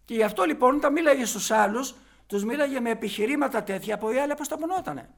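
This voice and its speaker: A man's voice: very high voice, expressive, vocal fry. A male preacher giving a fervent sermon, telling a story and driving home its point.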